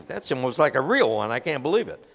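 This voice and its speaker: Male preacher, animated storyteller, bright tone, reverberant hall. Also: medium pitch, a little fast, vocal fry. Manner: animated storyteller, acts out voices and laughs. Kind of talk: humorous sermon illustration.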